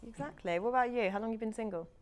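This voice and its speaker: Quick, direct woman hosting a date. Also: fairly high pitch, slight background noise. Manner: direct, teasing questioner. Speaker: dating show host. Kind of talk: dating show interview.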